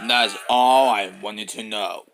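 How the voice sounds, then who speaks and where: An actor playing a defiant, determined young hedgehog hero with an earnest, declamatory delivery in fan cartoon cutscenes. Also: male voice, lowish voice, slow, background noise.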